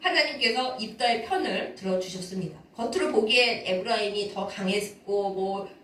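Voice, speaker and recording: A woman pastor preaching a sermon, telling the story in a lively way with asides to the congregation. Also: mid-range voice, moderate pace, slight background noise. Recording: roomy church hall, mic far off.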